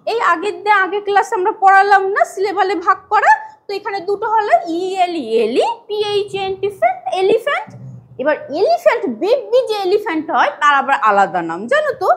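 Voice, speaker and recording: এক মহিলা শিক্ষক ছোট বাচ্চাদের ডেমো ক্লাস নিচ্ছেন, সুর করে উৎসাহ দিয়ে প্রশ্ন করছেন আর ইংরেজি শব্দের বানান অক্ষর ধরে ধরে বলছেন।. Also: female voice, very high-pitched, very animated, fairly quick, a bit bright. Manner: singsong, coaxing, spells words letter by letter. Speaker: teacher giving a demo class. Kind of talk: demo lesson to young children.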